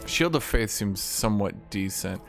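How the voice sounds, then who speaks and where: Male game streamer, slightly low voice, exasperated and foul-mouthed, chatting casually over game music. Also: lively intonation, moderate pace, vocal fry, a bit bright. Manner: sweary, exasperated gamer griping. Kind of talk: live gameplay commentary, casual chat. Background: video game music.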